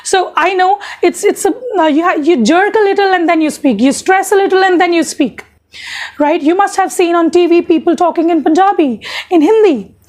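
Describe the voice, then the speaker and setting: A woman from India speaks in a very high, light voice with an Indian English accent. She gives a casual spoken lesson as a language coach, repeating her points earnestly with plenty of fillers. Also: normal speed, darkish tone. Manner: repetitive and earnest, with frequent fillers.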